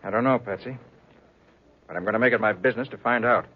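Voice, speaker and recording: An American actor playing a brisk, determined private detective in 1940s radio drama style. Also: male voice, fairly low pitch, over loud music, natural voice. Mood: grim, resolute. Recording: noisy, dull 1940s radio recording.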